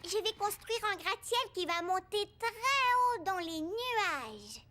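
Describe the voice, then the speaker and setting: A woman's voice: very high-pitched, animated, slow pace, sharp tone, heavily acted. A woman voicing a curious, cheerful four-year-old boy in a cartoon, asking eager childlike questions. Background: music.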